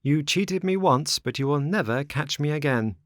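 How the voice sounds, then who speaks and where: A man's voice: a little high, lively intonation, normal speed, dry recording, studio quality, pitched above the performer's own voice, close to an everyday voice. A man voicing an earnest little boy marionette in a storybook reading, with an emphatic, declamatory way of speaking. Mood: scornful. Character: earnest, grateful little boy marionette, scolding when wronged.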